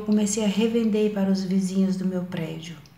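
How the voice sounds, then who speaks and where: Against noticeable background noise and audible room echo, a woman speaks with monotone, flat intonation. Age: 70s. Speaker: retired sales promoter, course participant. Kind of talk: testimony.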